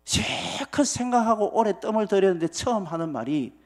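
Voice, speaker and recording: A man's voice: high-pitched, animated, a little fast. A male pastor giving a sermon in church, telling a story with many rhetorical questions to the congregation. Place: church sanctuary.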